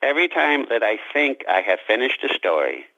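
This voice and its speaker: A man being interviewed as a writer, talking reflectively about his craft in deliberate, halting phrases. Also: medium pitch, big pitch swings, dry recording, highs cut off.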